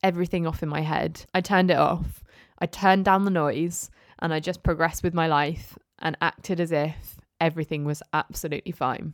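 A woman's fairly low voice at a moderate pace, with fairly even intonation, in a very clean recording over a silent background. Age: 20s. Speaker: podcast host. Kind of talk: personal monologue. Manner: wavering voice.

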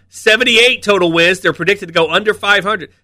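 In a very clean recording with a silent background, a man uses a raised, projected voice with a bright, sharp tone and a high pitch. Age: 50s. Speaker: sports radio host. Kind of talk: radio monologue.

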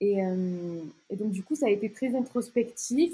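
A woman of medium pitch speaks with a dark, mellow tone, somewhat breathy, and with lively intonation. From France. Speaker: travel content creator. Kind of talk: casual chat.

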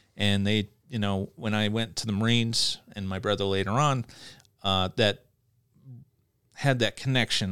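On a very clean recording with a silent background, a man with a plain, everyday voice speaks at a fairly low pitch and a moderate pace. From upstate New York. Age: 40s. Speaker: podcast guest, former Marine. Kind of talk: casual chat.

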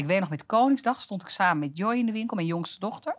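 A woman speaks at a fairly quick pace with very wide pitch swings on a very clean recording with a silent background. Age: 50s. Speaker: business owner and coach. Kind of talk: casual interview.

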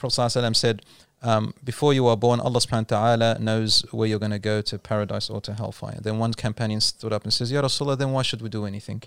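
Very fast speech in an Australian accent, in a very clean recording with a silent background. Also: man. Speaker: Islamic preacher. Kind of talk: religious talk in a podcast discussion.

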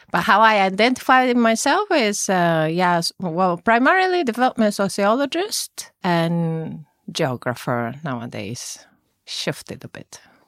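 Speaking with a Japanese accent at a fairly slow pace, a woman has a medium pitch with very wide pitch swings and big swings in loudness. The sound is dry and close with no echo, on a very clean recording with a silent background. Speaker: university professor. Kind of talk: interview conversation.

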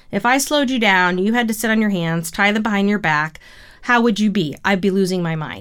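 Speaking at a medium pitch, a woman has an ordinary speaking voice with lively intonation. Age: 40s. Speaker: clinical social worker. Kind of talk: interview. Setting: studio.

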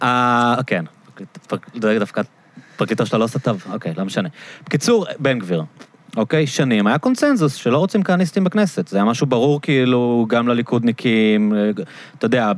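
A man's normal speaking voice, medium in pitch, with lively intonation and a fairly quick pace. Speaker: podcast host. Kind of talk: casual chat.

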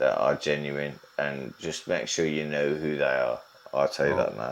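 Someone with a British accent talks over noticeable background noise. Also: man. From England. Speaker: regular show participant. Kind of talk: casual chat. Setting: remote call.

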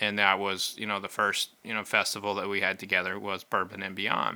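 With an American accent, a man speaks at a fairly low pitch in a bright, sharp tone on a very clean recording with a silent background. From Oklahoma. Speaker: bourbon writer and festival curator. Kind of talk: casual interview.

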